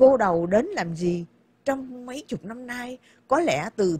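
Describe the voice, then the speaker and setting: Somewhat breathy, a woman speaks at a very slow pace with very wide pitch swings. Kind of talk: audiobook narration, literary prose read aloud. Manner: even, measured storyteller's pace, formal and literary.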